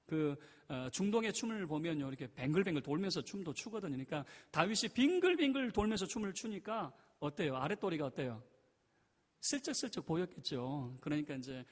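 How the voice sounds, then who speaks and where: A male pastor delivering a sermon in a church, asking the congregation rhetorical questions and building to loud emphatic passages. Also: a little high, in a large hall. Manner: rising to loud emphatic preaching. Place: church sanctuary.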